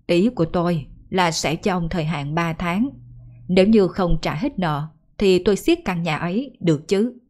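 A woman's voice: lowish voice, animated, normal speed, darkish tone. A woman voicing a scheming young rich man who lends money to trap a gambler, in a folk ghost story. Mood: sly. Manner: sly, falsely friendly. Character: smug young rich master, scheming lender.

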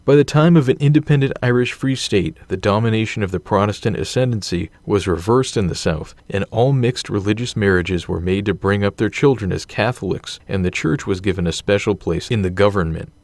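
A man narrates a history documentary in a low, measured voice. He reads dates and figures at an even, steady pace. The recording is dry and close, with no room sound. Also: dry recording.

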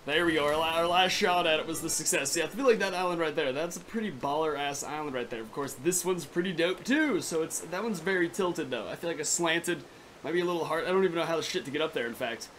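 Raspy young man, sore throat, slightly high voice, excitable swearing gameplay talk, faint hiss behind. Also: fast talker. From California. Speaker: gaming YouTuber. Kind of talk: casual gameplay commentary.

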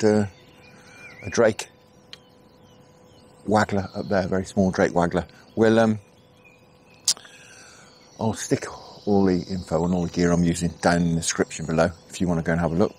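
A middle-aged Englishman, an angling vlogger, chats casually as he fishes from a canal bank at dawn, thinking aloud with easy fillers. His voice is low-pitched and a little mellow. Birdsong and insects fill the background, along with slight noise.

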